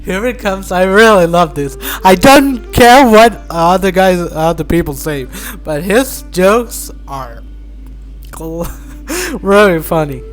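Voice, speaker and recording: A woman's voice: on the low side, animated, slow pace, faint music behind. A woman streaming gameplay, reacting casually with giggly, enthusiastic fan commentary. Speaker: gaming streamer.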